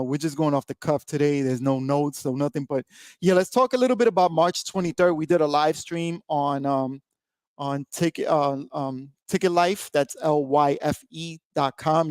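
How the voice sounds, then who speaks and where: A man hosting a casual interview, asking questions in a relaxed, chatty way with fillers. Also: a little high, moderate pace, no echo, studio quality. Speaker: host.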